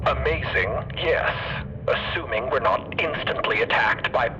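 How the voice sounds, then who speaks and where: A man's voice: mid-range voice, expressive, measured pace, background noise, close to an everyday voice. A man playing a dry, muffled, wary explorer. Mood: dry, cautious. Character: wary, sardonic male explorer, dryly pessimistic. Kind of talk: audio drama character dialogue.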